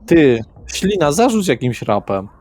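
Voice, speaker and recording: A man's voice: on the high side, sing-song, a little slow, crowd noise. A man voicing a cocky, mouthy rich young slacker with a brash, taunting, sweary street manner. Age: young adult figure.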